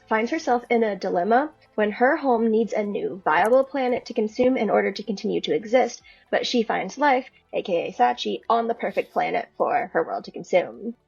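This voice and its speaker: A woman's voice: medium pitch, gravelly, a little mellow, breathy edge, highs cut off. A woman writer answering interview questions in a casual, conversational way.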